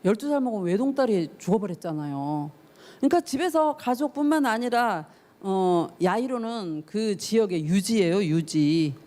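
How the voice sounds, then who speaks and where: Her voice is medium in pitch, mellow and animated, at a moderate pace. She's a youth pastor giving a sermon to teens, telling the story with feeling, acting out its people, and questioning the listeners directly.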